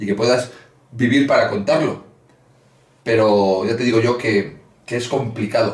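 Somewhat breathy and fairly even in intonation, a man speaks with audible room echo. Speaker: fitness coach. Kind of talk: casual vlog chat. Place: home room. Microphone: webcam.

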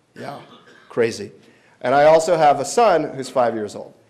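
A man speaks in a plain, everyday voice. His pace is fairly quick and his intonation lively. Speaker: philanthropy executive. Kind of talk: panel presentation. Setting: stage with audience.

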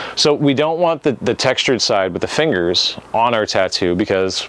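The sound is dry with no echo. A man is speaking. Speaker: tattoo artist. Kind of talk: casual talk to camera. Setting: outdoors. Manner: fast. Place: home room.

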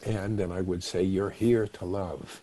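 Here a man talks at a fairly slow pace in a soothing, calm tone that is dark and mellow. His intonation stays monotone and flat. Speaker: physician and meditation teacher. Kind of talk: guided meditation; webinar talk. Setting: webinar recording. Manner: slow, soothing, calm; conversational, rambling with fillers. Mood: warm, gentle, reflective. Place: home room. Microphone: webcam.

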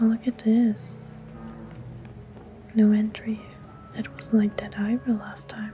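A soft-spoken woman at a fairly slow pace, with long, frequent pauses and music in the background. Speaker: ASMR gaming streamer. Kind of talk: ASMR gameplay commentary, casual talk while playing. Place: home room.

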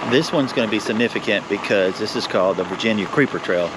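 Recorded dry with no echo, a man's voice comes through over noticeable background noise. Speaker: outdoor gear vlogger. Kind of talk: casual vlog chat. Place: bicycle. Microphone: phone near.

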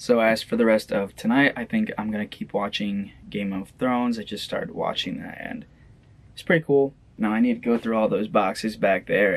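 A man with an American accent speaks at a moderate pace. His loudness swings widely. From Michigan. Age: 20s. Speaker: aspiring actor and vlogger. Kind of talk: casual vlog monologue. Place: home room. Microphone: webcam.

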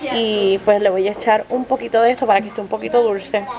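Over noticeable background noise, a woman with a fairly high pitch and ordinary pitch variation speaks at a fairly quick pace. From Puerto Rico. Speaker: vlogger and homeschooling mom; vlogger. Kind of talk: casual vlog talk. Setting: at home. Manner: soft, quiet speaking. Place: kitchen. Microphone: phone near.

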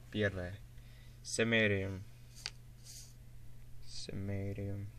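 This man has a fairly low pitch with ordinary pitch variation. His pace is very slow. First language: Russian. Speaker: chemical element collector. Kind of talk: casual show-and-tell to camera.

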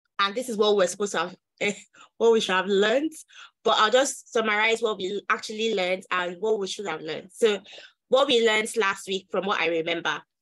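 A woman at a fairly quick pace with ordinary pitch variation, over a quiet background. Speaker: Sunday school teacher. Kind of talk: lecture. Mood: warm, lightly laughing. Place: home room. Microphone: webcam.

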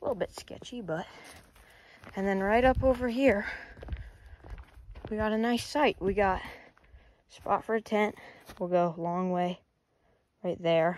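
At a moderate pace, a woman speaks with ordinary pitch variation in a dry sound with no echo. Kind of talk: casual vlog chat. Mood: relaxed, cheerful. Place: forest. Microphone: phone near.

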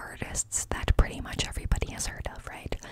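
A woman speaks at a fairly slow pace in a dry sound with no echo. Loud background noise runs behind her. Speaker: ASMR-style vlogger. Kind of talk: casual soft-spoken chat. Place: home room. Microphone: studio mic.

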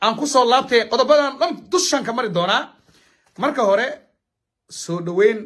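This lively, up-and-down delivery comes with a Somali accent over a quiet background. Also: man. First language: Somali (speaking Arabic). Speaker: political commentator. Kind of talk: political commentary monologue. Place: home room. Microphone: phone near.

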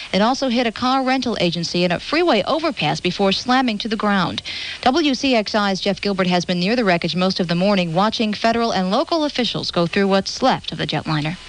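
A woman speaks at a fairly quick pace with hardly any pauses and lively intonation, in a dry sound with no echo. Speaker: radio news anchor. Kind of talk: 1980s radio news bulletin, anchor reading. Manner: formal, grave, steady newsreader. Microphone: old recording.

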